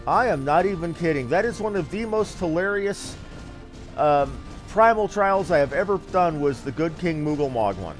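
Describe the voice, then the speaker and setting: A man's voice: on the high side, lively intonation, moderate pace. A man giving casual, folksy live commentary as he streams a game, swearing now and then. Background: video game music.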